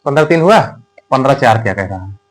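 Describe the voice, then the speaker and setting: A man's voice: medium pitch, lively intonation, quick pace, slight background noise, low-quality recording. A man teaching an exam-prep lesson in a conversational way. He often asks rhetorical questions and dictates notes word by word. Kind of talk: explanatory classroom lecture.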